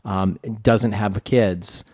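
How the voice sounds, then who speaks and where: A man's voice: lowish voice, steady tone, extremely slow, darkish tone. A man hosting a podcast interview, curious and teasing as he asks questions. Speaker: podcast host. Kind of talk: casual interview chat.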